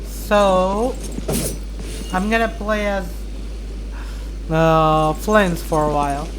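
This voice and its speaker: A woman gaming creator giving casual gameplay commentary, halting and thinking aloud. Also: lowish voice, slight background noise, rough recording. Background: video game music.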